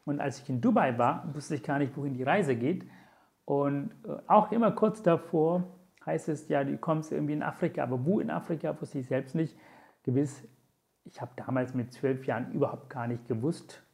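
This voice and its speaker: A Sri Lankan man in his forties, a native Tamil speaker, tells his story as an interview guest, earnest and reflective, with many hesitant fillers in a conversational storytelling style. His voice leans high, with vocal fry and a darkish tone, at a moderate pace.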